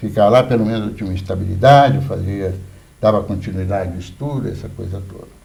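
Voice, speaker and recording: A man talks fairly quickly, with audible room echo and noticeable background noise in the recording. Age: 60s. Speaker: former political prisoner, artist. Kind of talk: interview testimony.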